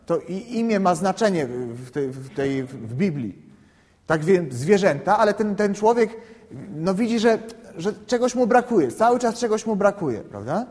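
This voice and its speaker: A man explaining scripture to a group in a conversational, halting way, often checking in with the listeners and repeating words while he thinks. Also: high voice, very animated, a little mellow. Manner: conversational, keeps asking "right?" to check understanding. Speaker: Bible teacher. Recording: long reverb in a hall.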